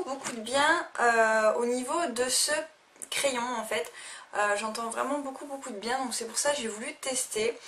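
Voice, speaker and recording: A woman's voice: high-pitched, a bit bright. A young woman casually reviewing makeup she bought, talking hesitantly with many fillers and restarts. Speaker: beauty vlogger. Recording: faint noise, a little distant from the mic.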